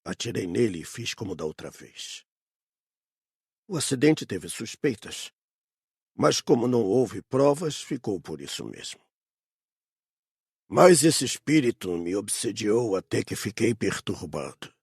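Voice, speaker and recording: A man with a Brazilian accent playing a remorseful old hunter's spirit in a dramatised audiobook, slow and confessional, with a gravelly, husky voice. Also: on the low side, very animated, darkish tone, no room sound, studio quality, heavily acted. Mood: grave, confessing.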